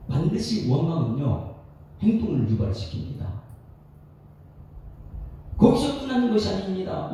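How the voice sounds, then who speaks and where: A male pastor gives an animated dawn sermon and puts questions to his congregation, heard from a distant mic in an echoey church. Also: high-pitched. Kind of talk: expository sermon at a dawn prayer service. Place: church sanctuary. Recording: echoey hall, distant mic, faint noise.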